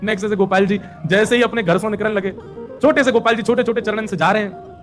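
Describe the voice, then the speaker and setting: A man with a Braj accent narrates a devotional story, animated and colloquial. His voice is high and the telling races along. Faint music plays underneath. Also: fast.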